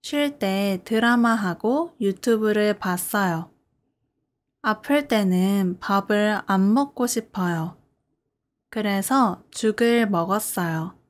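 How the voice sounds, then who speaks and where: A woman's voice: medium pitch, takes it slowly. A woman language teacher delivering a scripted beginner listening lesson in short, simple, carefully separated sentences. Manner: careful, simple phrasing with clear sentence breaks.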